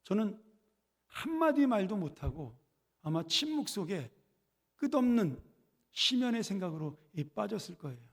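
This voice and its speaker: High-voiced preacher in echoing church. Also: male voice, big pitch swings, moderate pace, pauses often. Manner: storytelling with rhetorical questions. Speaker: senior pastor. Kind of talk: sermon. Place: church sanctuary. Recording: long church reverb.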